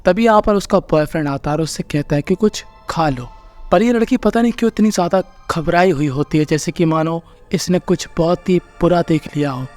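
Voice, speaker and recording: High-voiced man recapping a horror film. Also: fairly quick, darkish tone, faint music behind. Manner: chatty, jokey asides. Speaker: movie recap narrator. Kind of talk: casual movie recap narration.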